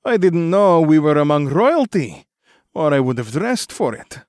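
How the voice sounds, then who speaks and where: A cocky male vampire club owner with a thick accent drawls in a smug, teasing way, as a male narrator puts him on. His pitch swings widely. It is recorded dry and close. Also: sing-song, measured pace, a little mellow, no echo. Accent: thick foreign accent.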